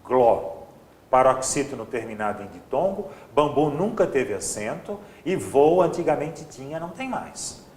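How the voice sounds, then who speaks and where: A man's voice: mid-range voice, big pitch swings, unhurried, darkish tone, echoey room. A man teaching an exam-prep grammar lesson, explaining step by step and checking in with his students often.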